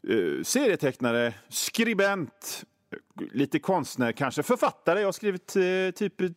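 A man's voice: high-pitched, sing-song, no room sound, clean studio sound. Rambling male radio host. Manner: rambling, self-mocking, many fillers and restarts. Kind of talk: comic radio monologue.

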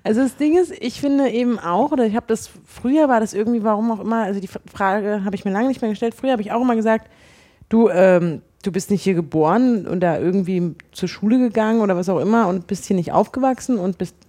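A woman's voice: medium pitch, fairly quick, dark tone. A woman from Berlin with a Berlin accent, chatting as a podcast co-host, rambling with many restarts and fillers. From Berlin, Germany. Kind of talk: casual chat.

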